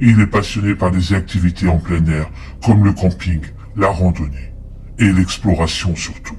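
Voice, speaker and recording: Using a put-on character voice with a very deep, low pitch, a man speaks at a moderate pace with long, frequent pauses over clear background noise. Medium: solo performance. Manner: earnest, measured.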